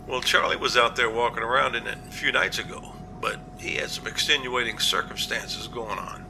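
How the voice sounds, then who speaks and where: A man playing an earnest, cautious captain in an amateur audio drama, reporting in a measured, matter-of-fact way. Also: medium pitch, gravelly, noisy background, natural voice. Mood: puzzled. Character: male captain, earnest, practical, cautious, plain-spoken.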